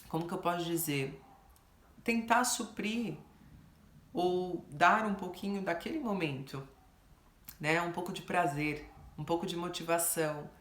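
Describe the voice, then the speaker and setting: A woman with a Brazilian Portuguese accent, giving casual advice as a host in an animated, chatty way and acting out quick bits of what clients say. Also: on the low side, roomy sound.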